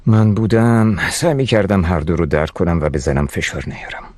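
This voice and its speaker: An actor dubbing a wise older uncle who gives his nephew calm, persuasive advice. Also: low-pitched, no echo. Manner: steady, persuasive, fatherly. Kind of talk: Persian drama dubbing. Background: soft music score.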